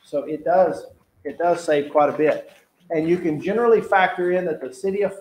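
A man speaks at a high pitch with audible room echo. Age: 50s. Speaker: chief appraiser; presenter. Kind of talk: public presentation. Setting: community center workshop with live audience. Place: classroom. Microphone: camera far.

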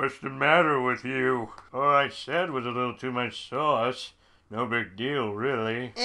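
Using a put-on character voice, a man speaks at a fairly slow pace and medium pitch with fairly even intonation. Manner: gruff, impatient.

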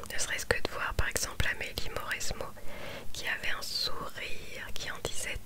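A woman whispers at a fairly slow pace. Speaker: ASMR creator. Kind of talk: ASMR talk. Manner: whispered; soft-spoken.

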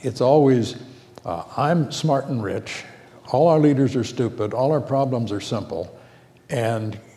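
A man speaks at a fairly slow pace in a dark, mellow tone, somewhat breathy, with ordinary pitch variation. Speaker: guest commentator. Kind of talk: interview answer. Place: stage. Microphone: lapel.

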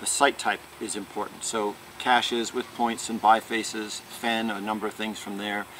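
A man talks at a moderate pace with hardly any pauses, his pitch fairly low and his intonation monotone and flat. There is light background noise. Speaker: presenter. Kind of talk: lecture. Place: garden.

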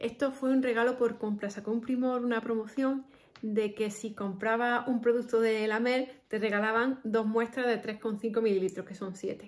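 Her pitch is fairly high and her pace moderate. The woman speaks in a monotone, flat intonation. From Spain. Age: middle-aged. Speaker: beauty youtuber; beauty vlogger. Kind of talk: product review vlog. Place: home room. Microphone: phone near.

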